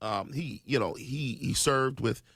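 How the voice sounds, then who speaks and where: A man's voice: mid-range voice, unhurried, a bit bright, slightly rough, dry recording. A man, a guest in a radio studio, talking earnestly and restarting his sentences often. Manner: earnest, many ums and restarts. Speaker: state legislator guest. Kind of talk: conversational radio interview.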